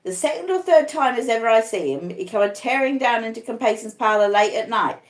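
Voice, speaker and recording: A woman narrating an audiobook as a rough old convict, confiding his past in plain, uneducated, rustic speech. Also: on the high side, lively intonation, a little fast, roomy sound, pitched above the performer's own voice, natural voice. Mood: grim, reflective. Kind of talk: audiobook first-person narration.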